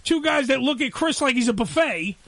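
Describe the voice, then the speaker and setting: A brash, joking host with a New York accent, his voice pitched unusually high for a man. The tone is bright and cutting as he swears freely and riffs on the people around him in loose, casual chat. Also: expressive, fairly quick, dry recording.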